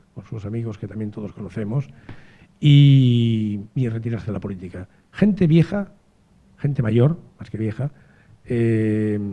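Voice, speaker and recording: Talking at a moderate pace with long, frequent pauses, a man of medium pitch uses a dark, mellow tone, big swings in loudness and ordinary pitch variation. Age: 60s. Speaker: Anglican priest. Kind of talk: televised debate.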